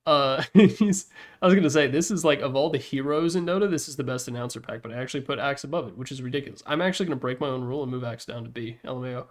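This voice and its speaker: A man's voice: mid-range voice, very fast. A man hosting a gaming video with casual, unscripted tier-list commentary, rambling along in a jokey, self-deprecating way.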